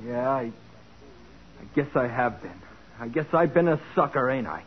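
A man's voice: mid-range voice, lively intonation, measured pace, breathy edge. An actor playing a cocky, streetwise young male small-time crook with slangy tough-kid talk, in 1940s radio drama style. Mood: edgy, defiant. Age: young adult. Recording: muffled old radio broadcast.

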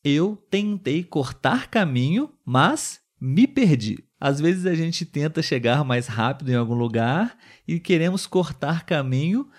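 A Brazilian man co-hosting a Portuguese lesson, explaining expressions clearly and slowly and often ending with a tag question. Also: a little high, lively intonation. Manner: clear, slow teacher talk with tag questions. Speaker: co-host of a Portuguese lesson channel.

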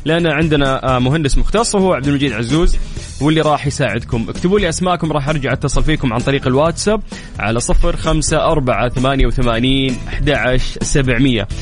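A man hosting a radio call-in show, fast and upbeat, laughing often. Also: medium pitch, faint music behind. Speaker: radio host.

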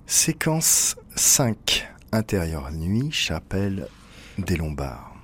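Deep-voiced man reading intimate narration. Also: sing-song, extremely slow, fairly bright tone, husky. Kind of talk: scripted literary narration.

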